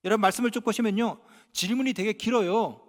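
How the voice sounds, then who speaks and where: A man's voice: sits high, fast. A male pastor from Gyeongsang Province preaching a sermon, telling humorous stories and acting out bits of dialogue. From Gyeongsang Province, Korea. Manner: animated, humorous storytelling with acted-out dialogue. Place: church sanctuary. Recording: long church reverb.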